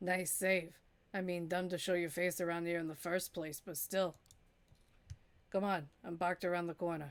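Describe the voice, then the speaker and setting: A woman's put-on character voice, gravelly and fairly low-pitched, with monotone, flat intonation, a moderate pace and long, frequent pauses. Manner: curt, wry.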